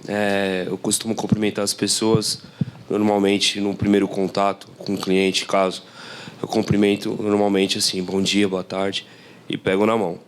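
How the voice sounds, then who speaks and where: Flat low-voiced man asking. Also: moderate pace, a little hiss or hum. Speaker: audience member asking a question. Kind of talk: question from the floor.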